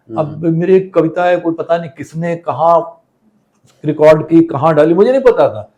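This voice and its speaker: A man's high-pitched voice with a dark, mellow tone, fairly even intonation and big swings in loudness. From India. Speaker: poet and broadcaster. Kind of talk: podcast interview answer.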